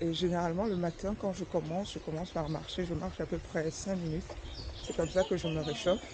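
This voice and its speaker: Clearly audible background noise under a woman's fairly low-pitched voice, her intonation fairly even. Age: 40s. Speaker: fitness vlogger. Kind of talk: casual vlog. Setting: outdoors.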